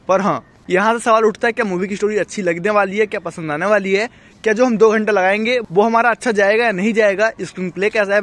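A man's voice: high-pitched, a bit bright. A young man giving a casual, chatty film review, peppering his talk with friendly fillers. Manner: chatty, constantly says "yaar" and "bhai". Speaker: movie reviewer.

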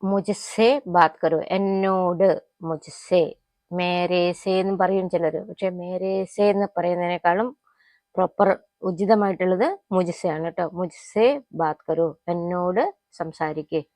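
Low-voiced woman teaching phrases slowly. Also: darkish tone, no echo. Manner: repeats phrases slowly, then explains quickly. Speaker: Hindi teacher. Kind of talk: spoken language lesson.

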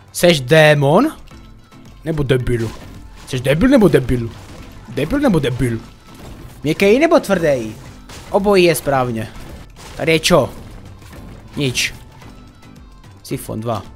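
Lively, animated young-sounding man gaming. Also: on the high side, pauses often, faint music behind. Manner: playful, joking, talks to viewers as friends. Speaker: gaming YouTuber. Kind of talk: casual gameplay commentary.

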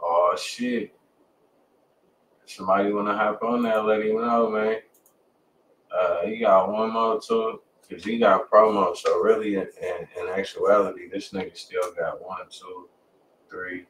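A man's voice: sits low, level tone, a little slow, fairly bright tone, a little hiss or hum. A man, casually chatting as host of a music review livestream. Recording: roomy, distant mic, faint music behind.

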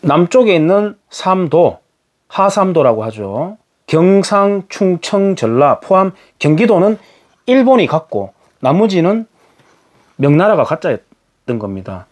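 A man's voice: sits high, sing-song, measured pace. A man gives solo spoken commentary in an emphatic, lecturing way, full of rhetorical questions.

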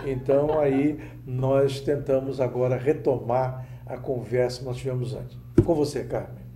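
Older man hosting, dark mellow voice. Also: mid-range voice, fairly even intonation, measured pace, roomy sound, a little hiss or hum. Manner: self-mocking, chatty. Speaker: host. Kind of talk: studio interview. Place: small TV studio.

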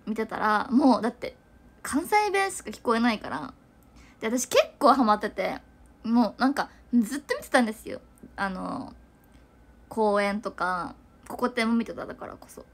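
Giggly, chatty young woman. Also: fairly high pitch. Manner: chatty, giggly, rambling with fillers. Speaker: idol livestreamer. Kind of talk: casual livestream chat.

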